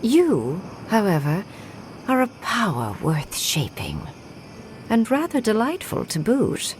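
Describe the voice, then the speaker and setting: An actress playing a haughty, jaded archmage in a video game, speaking in an imperious, dryly disdainful way. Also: female voice, mid-range voice, wildly swooping pitch, takes it slowly, a little hiss or hum. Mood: haughty, approving. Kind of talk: video game character acting.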